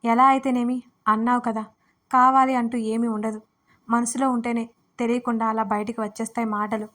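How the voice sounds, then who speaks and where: A woman voicing a young woman torn between friendship and love, speaking with halting, tearful words in an audio story. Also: on the high side, flat delivery, fairly bright tone, natural voice. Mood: hurt.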